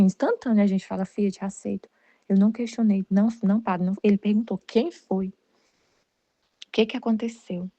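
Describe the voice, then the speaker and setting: A woman's voice: medium pitch, vocal fry, dark tone, dry recording, dull audio. A Brazilian woman giving a casual personal faith testimony, rambling with many restarts and repeated words. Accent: Brazilian Portuguese. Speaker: Catholic study group leader.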